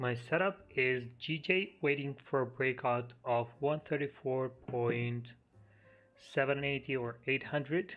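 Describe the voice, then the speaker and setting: Music plays in the background as a man speaks fairly slowly at a medium pitch, with fairly even intonation and very even loudness. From Kosovo. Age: 20s. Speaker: forex trader and livestreamer. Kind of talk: live trading stream, reading and answering chat. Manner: casual, conversational.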